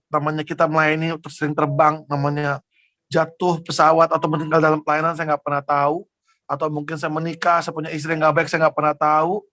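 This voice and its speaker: A man's voice: a little high, fairly bright tone. Emotional preacher man. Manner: emotional storytelling, often addresses listeners as brothers and sisters. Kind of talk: testimony sermon. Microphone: Zoom broadcast.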